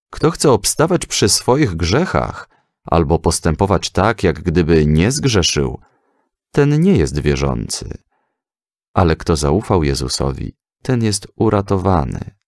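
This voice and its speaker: A man voicing a calm, devout father who patiently and assuredly teaches his son in a children's story. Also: sits low, no echo, studio quality, full character voice. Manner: patient, didactic.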